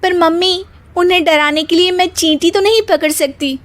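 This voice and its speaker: A woman's voice: very high-pitched, fairly even intonation, normal speed. A woman voicing a whiny young daughter-in-law in a cartoon story, complaining as she talks.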